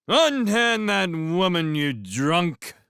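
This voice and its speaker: A man's voice: mid-range voice, very animated, slow pace, clean tone, no echo, clean studio sound, pitched above the performer's own voice. A man voicing a soaked, very drunk fisherman who scolds people with theatrical mock outrage. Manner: slurred, theatrical, shouting.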